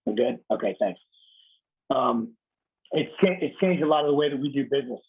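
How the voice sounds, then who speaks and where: A raspy-voiced man in his thirties, a military officer giving a blunt, casual leadership talk over a video call. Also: medium pitch, expressive, brisk, phone-quality sound. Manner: blunt, casual, swears lightly. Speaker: Marine Corps officer speaking to a unit.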